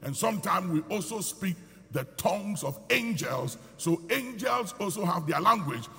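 A man's voice: high voice, expressive, moderate pace, sharp tone, long reverb tail, faint music behind. A man preaching a sermon, telling stories with emphasis as he teaches.

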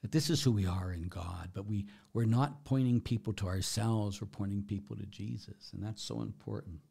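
Low, gravelly-voiced Catholic priest, a man. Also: normal speed, mellow. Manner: conversational and emphatic, often checking with "okay?" and "right?". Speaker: Catholic priest answering listener questions. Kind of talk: informal religious teaching and question-and-answer talk.

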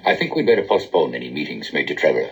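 An actor playing a grave male alien visitor who judges humanity, in a solemn, measured 1970s TV drama delivery. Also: a bass voice, sing-song, creaky, muffled recording, heavily acted. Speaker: space visitor.

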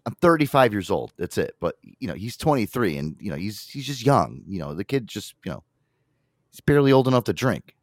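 A man's voice: lowish voice, big pitch swings, fairly quick, no echo, studio quality. Rambling, profane man in his thirties. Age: 30s. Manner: rambling, swearing, laughing often. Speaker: podcast host. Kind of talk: casual chat.

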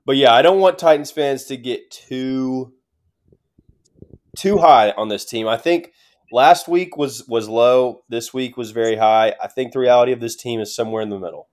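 A man's voice: medium pitch, normal speed, a little mellow. A man co-hosting a sports podcast, giving casual commentary in short, emphatic phrases and checking in with his listeners.

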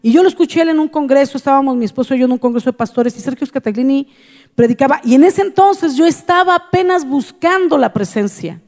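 A woman's voice: high voice, expressive, fast talker, a little mellow. A woman pastor giving an earnest testimony in a sermon, telling her story and repeating phrases for emphasis. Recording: long hall reverb.

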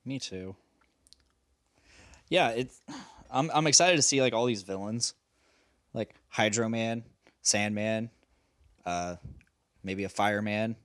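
A man's voice: on the low side, slow pace, long pauses, a bit bright. A young man co-hosting a podcast, teasing playfully and laughing often. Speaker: podcast co-host. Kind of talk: casual podcast banter.

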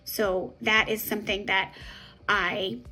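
A woman's voice: medium pitch, little pitch movement, slow pace, pushed and bright, faint music behind, low-quality recording. A woman in her thirties speaking matter-of-factly in a testimonial interview. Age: 30s. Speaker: patient sharing her story.

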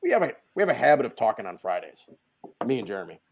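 A man from the northeastern US sits in as a podcast guest and tells long stories with lively energy. His voice is medium-pitched, and his talk is casual and salted with easy swearing. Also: fast, gravelly, a little hiss or hum. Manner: animated storyteller, swears casually.

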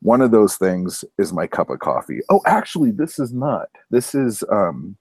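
A man's voice: fairly low pitch, very animated, moderate pace, a little mellow, husky, no echo. A man in his late thirties co-hosting a podcast, chatting casually with dry, profane jokes. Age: 30s. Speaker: podcast co-host. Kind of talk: casual chat.

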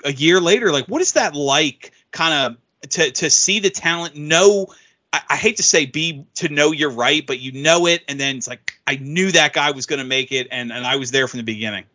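A man interviewing a guest in casual chat, halting and often restarting his sentences. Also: a little high, sharp tone, dull audio.

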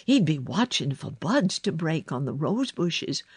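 A woman voicing a gentle, plain-spoken country boy in a storybook. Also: low voice, very animated, unhurried, breathy edge, dry recording, exaggerated voice. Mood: kindly, hopeful. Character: gentle, earthy country lad who loves animals.

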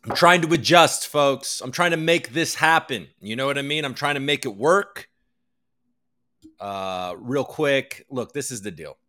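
A man's voice: mid-range voice, unhurried, bright, forceful tone. A man hosting a crypto news livestream, chatting casually in a rambling, self-deprecating way and swearing freely. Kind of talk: casual chat.

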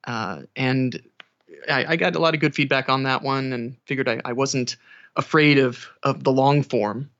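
A man's voice: mid-range voice, normal speed, fairly bright tone, no room sound, dull audio. An American man talking casually as an interview guest who works as an audiobook narrator.

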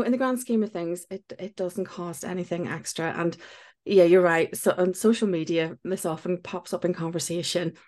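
A woman hosting a podcast, affirming her guest in casual conversation and often restarting her sentences. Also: on the low side. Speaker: podcast host. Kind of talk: casual interview chat.

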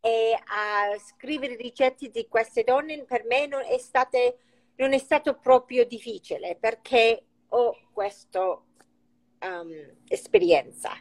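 A woman with a higher-pitched voice speaks Italian with an American English accent. She goes slowly and haltingly as an interview guest, hunting for words and sometimes switching to English. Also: poor audio. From United States. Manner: halting, searches for words in non-fluent Italian. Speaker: guest, chef and cookbook author.

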